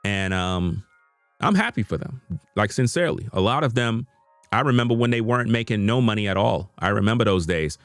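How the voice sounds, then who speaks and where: Earnest low-voiced man streaming to viewers. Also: animated, brisk, no echo, faint music behind. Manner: earnest, repetitive, conversational, informal slang. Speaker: YouTube content creator. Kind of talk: unscripted live stream talk to viewers. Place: home room at a computer.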